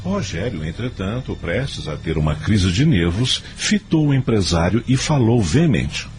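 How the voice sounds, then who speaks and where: Deep-voiced male drama narrator. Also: big pitch swings, unhurried, darkish tone, soft background music. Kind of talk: dramatic scripted narration of a radio serial.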